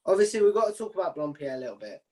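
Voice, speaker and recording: This man's voice sits high and comes out very animated and rapid-fire, with a slightly mellow quality. He's a podcast host running a casual interview, assembling his questions informally as he goes.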